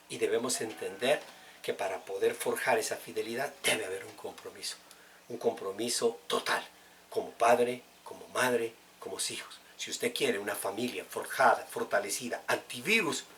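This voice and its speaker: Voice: medium pitch, moderate pace, fairly bright tone, slight background noise. A preacher giving a sermon, who repeats key words and speaks straight to the congregation.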